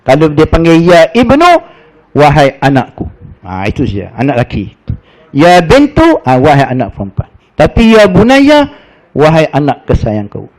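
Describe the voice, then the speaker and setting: A middle-aged man with a Malaysian Malay accent leads a relaxed religious class. His voice sits a little high for a man. He tells stories in a folksy, chatty way and breaks into Arabic recitation. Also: normal speed, rough recording. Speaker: religious teacher.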